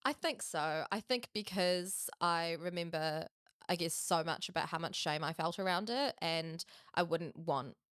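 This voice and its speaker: A woman's voice: fairly low pitch, unhurried, fairly bright tone, clear, resonant tone, no echo, studio quality. A young woman from New Zealand with a New Zealand accent, talking reflectively as a podcast guest with many fillers and hedges. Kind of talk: casual podcast conversation.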